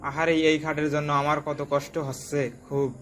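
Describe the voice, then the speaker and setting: Brief: man as mischievous brother-in-law, slightly high voice, mocking and exclamatory. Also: level tone, normal speed, a bit bright, soft background music, natural voice. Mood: teasing.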